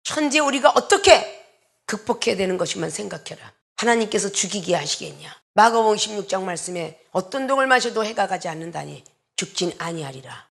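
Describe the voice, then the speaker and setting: Gravelly-voiced woman pastor preaching emphatically. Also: mid-range voice. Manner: emphatic preaching, acts out dialogue in changing voices, sometimes shouts. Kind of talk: sermon.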